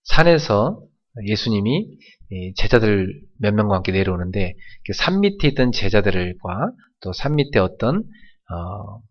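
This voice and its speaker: A male pastor delivers an emphatic sermon, throwing rhetorical questions at his congregation. His voice is low. The recording sounds dull and lo-fi. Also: big pitch swings, unhurried.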